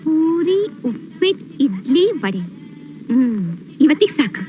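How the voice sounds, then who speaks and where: A sharp-tongued housewife in an old film comedy, her voice high and lively. The soundtrack is dull, with music behind. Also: takes it slowly, exaggerated voice. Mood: busy. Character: housewife bringing food, scolding sharply.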